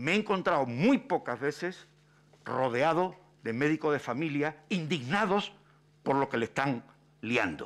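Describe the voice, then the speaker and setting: At a fairly slow pace and with long, frequent pauses, a man speaks with lively intonation and a fairly high pitch. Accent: Andalusian. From Cádiz, Andalusia, Spain; Andalusia, Spain. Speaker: hospital doctor, health activist; speaker. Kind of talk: conference talk. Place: meeting room. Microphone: podium.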